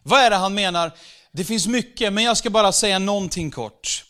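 A man giving a conversational church sermon, slowing down for scripture and sometimes raising his voice for emphasis. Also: sits high. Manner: conversational preaching with fillers, slows for scripture, bursts louder for emphasis. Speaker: pastor.

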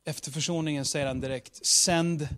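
A man's voice: fairly high pitch, lively intonation. A man preaching a sermon with emphatic, repetitive rhetorical build-ups and casual asides.

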